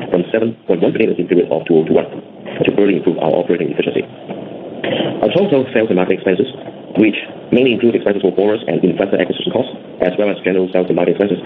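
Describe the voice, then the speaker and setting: Low-voiced man on a narrow phone line. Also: slight background noise. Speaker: company finance executive presenting results. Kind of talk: scripted earnings presentation.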